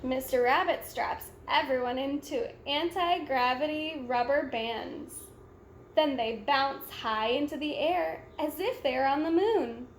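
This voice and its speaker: A woman with a high voice narrates a children's picture book. She reads slowly and deliberately, in an echoey room with faint noise behind her. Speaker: storybook read-aloud reader. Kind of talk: children's storybook narration, read aloud.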